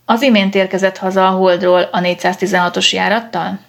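A woman's voice: mid-range voice, steady tone, gravelly, close to an everyday voice. A woman voicing a firm police sergeant who speaks in a curt, official way, in a storybook reading. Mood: stern. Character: stern, brisk police sergeant, adult man.

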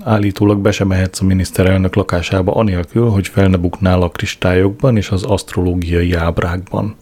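A man reading a comic diary aloud as an audiobook narrator, with a dry, deadpan delivery. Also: low voice.

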